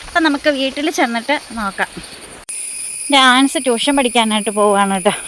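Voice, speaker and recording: High-voiced woman chatting on a farm walk. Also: fairly quick, a bit bright, a little hiss or hum. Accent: central Kerala Malayalam. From Thodupuzha, Kerala. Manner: chatty, coos and calls out to animals. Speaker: vlogger. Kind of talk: casual walking vlog. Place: outdoors on a rural farm path.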